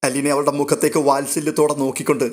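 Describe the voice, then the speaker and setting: A male narrator reads a novel aloud with a steady, literary delivery. His voice sits a little higher than most men's. The telling is even and unhurried.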